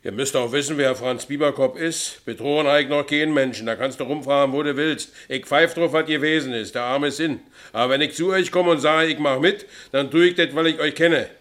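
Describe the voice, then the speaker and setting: An actor playing a gullible, boastful Berlin ex-convict in a radio drama, with a Berlin accent. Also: male voice, a little high, brisk, hardly any pauses, a bit bright, natural voice. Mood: insistent. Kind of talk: German radio drama acting.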